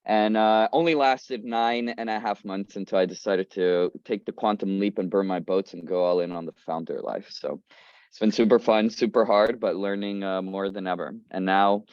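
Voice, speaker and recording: A man's voice: fairly low pitch, steady tone, normal speed, darkish tone, clean tone, no room sound. A man in his twenties from Colombia, a startup founder giving a casual, upbeat talk on a community video call, full of fillers and restarts. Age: 20s. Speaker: guest speaker, startup founder. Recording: dry, slightly dull call audio.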